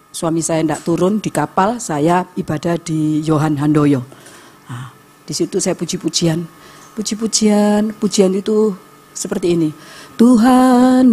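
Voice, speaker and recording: A woman, preaching a sermon in church, swinging between loud urging and soft storytelling. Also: on the low side, breathy edge. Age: 50s. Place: church sanctuary.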